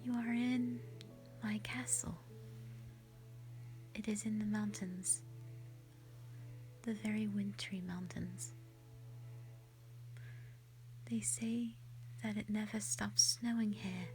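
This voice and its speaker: A woman acts out a kindly, lonely white dragoness from an audio roleplay. The voice is mellow and whispery, moving slowly and carefully with sweet, formal reassurance. Music plays behind it. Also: medium pitch, steady tone, low-quality recording. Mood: soft, wistful. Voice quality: soft, breathy, often whispery. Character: gentle, lonely female white dragon, kind to humans. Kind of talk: roleplay audio drama, addressing the listener.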